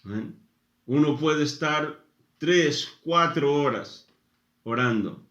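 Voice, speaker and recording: A man preaching a sermon, speaking in short phrases with frequent pauses. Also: a little high, fairly bright tone, echoey room. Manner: slow, deliberate, pausing after short phrases. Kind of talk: sermon teaching.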